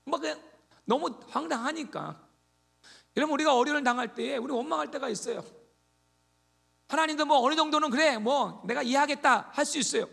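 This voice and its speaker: A man preaching a sermon as pastor, animated, swinging between loud exhortation and quiet asides. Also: very high voice, brisk, creaky.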